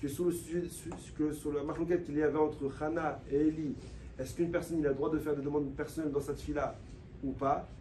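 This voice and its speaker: Male rabbi preaching with fervor and repetition; high voice in a reverberant hall. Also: little pitch movement, brisk, recorded from a distance, slight background noise. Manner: impassioned, swings from low and quiet to loud and high; addresses the listeners directly, repeats phrases for emphasis. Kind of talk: sermon. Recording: echoey room with faint background ambience.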